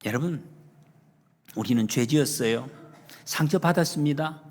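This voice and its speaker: A male pastor preaching a Sunday sermon in a church, animated and emphatic, often acting out the lines he retells. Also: medium pitch, normal speed, husky. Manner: retells scenes with acted quotes. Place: church sanctuary. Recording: long hall reverb.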